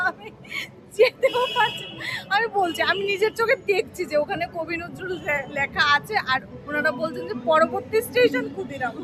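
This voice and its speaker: A woman vlogging on the spot outdoors in a city and metro station, complaining in an animated, exasperated way. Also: very high-pitched, moderate pace, a crowd in the background, noisy background. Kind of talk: on-the-spot vlog talk.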